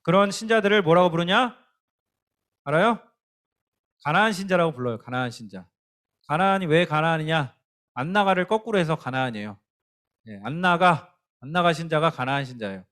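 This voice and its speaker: A man's voice: fairly high pitch, animated, brisk, long pauses, a bit bright. A man preaching a youth sermon, earnest and emphatic, often asking the listeners questions. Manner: earnest, emphatic, speaking directly to teens with questions. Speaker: youth pastor.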